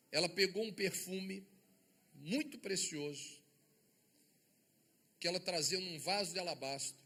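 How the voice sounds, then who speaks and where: A Brazilian-accented man with a high, sharp voice preaches as a bishop, firing rhetorical questions at his congregation. He stands in a church sanctuary, and the recording carries a long church reverb.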